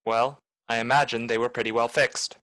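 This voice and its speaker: A man's voice: mid-range voice, level tone, moderate pace, fairly bright tone, no echo, close to an everyday voice. An actor playing a cynical, wisecracking private detective in a 1940s noir radio play, talking in clipped, sardonic tough-guy lines. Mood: cool, businesslike.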